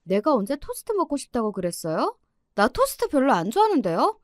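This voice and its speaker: A woman's voice: high-pitched, wildly swooping pitch, fairly quick, no room sound, clean studio sound. A woman voicing an irritable teenage girl student who whines and snaps back. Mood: annoyed. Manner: whiny, snapping, exasperated.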